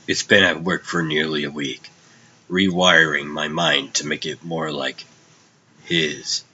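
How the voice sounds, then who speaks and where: Guy doing dark brooding superhero, really deep n slow, grave haunted delivery, comic dub style. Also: gravelly, husky, muffled recording, exaggerated voice. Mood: ominous. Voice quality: low, tense. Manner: grave, deliberate. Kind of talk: dramatic comic dub acting.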